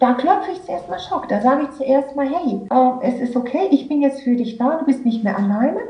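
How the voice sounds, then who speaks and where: The speech has lively intonation and hardly any pauses. Noticeable background noise can be heard. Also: woman, high pitch for a woman, moderate pace. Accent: Dutch. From Netherlands. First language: Dutch (speaking German). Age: 50s. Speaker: EFT trainer and therapist. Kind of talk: interview. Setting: phone call. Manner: hesitant, many fillers.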